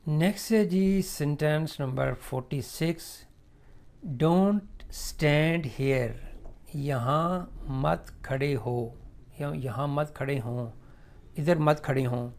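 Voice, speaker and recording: Male English teacher with a raised, gravelly voice. Drags out each model sentence, then explains it in a chatty, filler-heavy way. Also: fairly high pitch, darkish tone. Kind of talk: spoken English lesson explained in Urdu.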